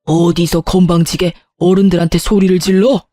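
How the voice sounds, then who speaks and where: A woman's voice: medium pitch, moderate pace, a little mellow, no room sound, clean studio sound, soft background music, close to an everyday voice. A woman voicing a scolding, sarcastic mother-in-law. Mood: scornful. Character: nagging sharp-tongued middle-aged mother-in-law.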